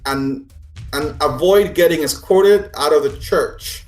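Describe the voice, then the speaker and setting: A man running a tabletop game, narrating and explaining in a halting, conversational way as game master. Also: a little high, soft background music. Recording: echoey room.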